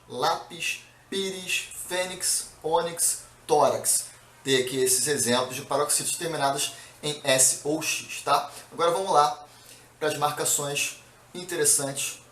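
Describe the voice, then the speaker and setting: Man teaching grammar, slightly higher voice, mic set back, faint room hum. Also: fairly bright tone. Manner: explains step by step, reading out word lists, checking in with "tá?" and "beleza?". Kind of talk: recorded video lesson. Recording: echoey room, mic at a distance.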